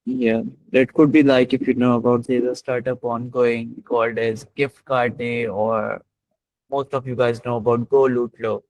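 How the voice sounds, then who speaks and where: Casting: male online session host, South Asian accent, mid-pitched and creaky, tentative, informal phrasing. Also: flat delivery, normal speed, darkish tone, no echo, poor audio. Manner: tentative, repeats "like" often. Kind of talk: informal moderated discussion. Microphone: online voice call.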